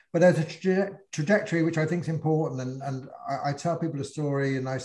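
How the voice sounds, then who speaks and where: A somewhat breathy man with a Bristol accent, talking very fast with fairly even intonation. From southwest England. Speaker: leadership consultant and coach. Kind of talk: casual chat. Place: home room. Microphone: video call.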